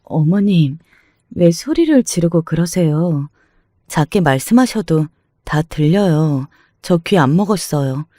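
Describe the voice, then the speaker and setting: A man voicing a calm, cutting young newlywed daughter-in-law who answers politely but sarcastically. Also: a little high, a little slow, no echo, studio quality. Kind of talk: dramatized story reading.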